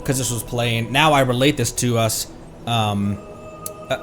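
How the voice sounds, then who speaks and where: A man's voice: mid-range voice, measured pace. A man giving casual live game commentary as a streamer, thinking aloud in stammering bursts. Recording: game music behind the voice. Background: video game music.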